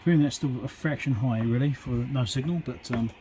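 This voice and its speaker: An electronics repair presenter talking casually as he works at his home workbench, thinking aloud with frequent ums and pauses. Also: medium pitch, dark tone, slight background noise, rough recording. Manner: thinks aloud with many ums, counts into the mic.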